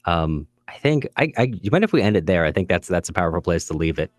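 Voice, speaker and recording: A man's voice: low-pitched, very animated, fast talker, no room sound, studio quality. A man co-hosting a podcast, casually discussing literature and hesitantly repeating words as he thinks. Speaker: podcast co-host.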